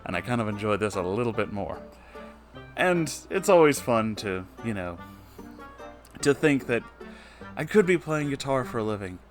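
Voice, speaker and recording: A man with a mid-range voice reads stories and chats as an online host. His delivery is expressive, informal and peppered with profanity. Quiet guitar music sits behind him. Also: mid-range voice, moderate pace, long pauses. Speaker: online story reader and host. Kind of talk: expressive story reading and casual commentary.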